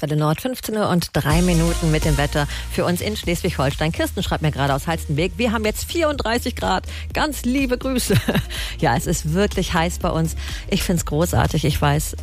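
A man presenting weather and traffic on regional radio in a chatty, upbeat, jokey way. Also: a little high. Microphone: studio microphone. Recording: radio broadcast with music under the voice.

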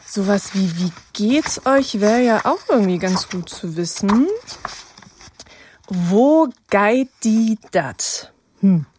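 A woman's voice: medium pitch, animated, slow pace, darkish tone, slight background noise. A woman hosting a children's radio program in a studio, playful and inviting as she questions her guests. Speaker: children's radio show host. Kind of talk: lively radio presenting for children.

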